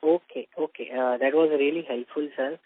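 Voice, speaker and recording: A man's voice: mid-range voice, fairly even intonation, moderate pace. A man with an Indian accent asking questions as a financial analyst, polite and businesslike. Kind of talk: earnings call questions. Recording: narrow phone line.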